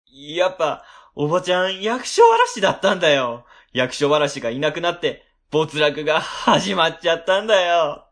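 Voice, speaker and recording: A man playing a flustered, excitable ward office worker in a radio drama. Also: fairly high pitch, normal speed, few pauses. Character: flustered, excitable male civil servant. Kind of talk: amateur web radio drama acting.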